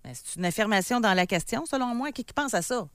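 A Québécois woman co-hosting a call-in radio show, briskly reading out listener questions and commenting. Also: a little high, expressive, dry recording. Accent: Québécois French. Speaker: radio co-host.

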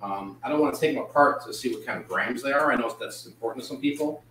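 A man co-hosting a live auction, describing items in a relaxed, halting way. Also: mid-range voice, slight background noise. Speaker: auction co-host. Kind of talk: casual item description. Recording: echoey room, off mic.

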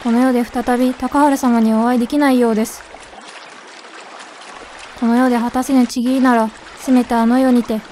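Casting: woman as grieving, vengeful young castle princess, high and narrow-ranged, solemn period diction, water noise behind. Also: little pitch movement, moderate pace, pauses often, dark tone, lightly acted. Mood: sorrowful resolve. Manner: solemn, archaic theatrical phrasing. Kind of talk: voice drama monologue.

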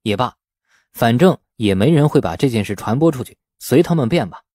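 Guy playing the level-headed young male hero in an audiobook, husky and mellow. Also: medium pitch, lively intonation, brisk, dry recording, clean studio sound, natural voice. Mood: resigned. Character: calm, sensible younger man, audiobook hero.

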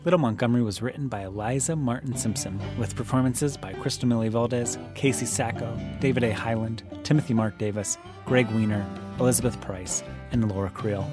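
A man reading scripted closing credits as an announcer. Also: mid-range voice. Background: guitar music.

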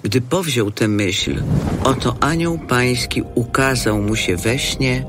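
A man's voice: medium pitch, slow pace, background noise. A man narrating scripture from a script for an audio drama.

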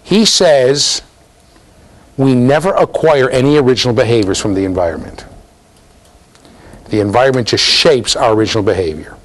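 A man's voice: mid-range voice, normal speed, pauses often. A middle-aged man giving an interactive university lecture, quizzing his students as he talks. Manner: questioning students, lively, gestures while talking. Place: office with bookshelves, linked to a classroom.

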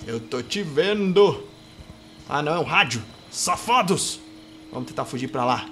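A man with a Brazilian Portuguese accent commenting on his gameplay, playful and trash-talking, bursting into excited shouts. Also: a little high, a little slow, a little hiss or hum. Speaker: gameplay youtuber.

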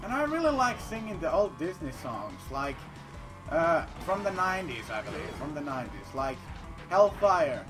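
A man who is not a native English speaker, commentating his gameplay in a rambling, playful way. He repeats phrases and bursts into loud declarations. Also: on the high side, very animated, moderate pace, over music. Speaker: let's play commentator.

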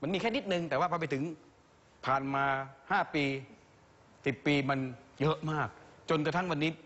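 A man with a fairly high voice gives casual, teasing feedback to young singers as their vocal coach. He keeps breaking into playful imitations of how they sing. His voice rings out in a big reverberant hall on a dull, muffled recording. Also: moderate pace, fairly bright tone. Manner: chatty, teasing, mimics singers mid-talk. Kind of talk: casual critique talk.

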